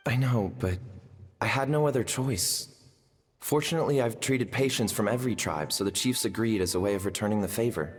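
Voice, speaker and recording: An actor playing a devoted tribal healer in a game, speaking in a measured, sincere, scholarly way. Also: male voice, on the low side, slightly rough, long reverb tail. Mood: earnest, measured. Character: earnest, devoted tribal healer, adult man. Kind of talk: dramatic game dialogue acting.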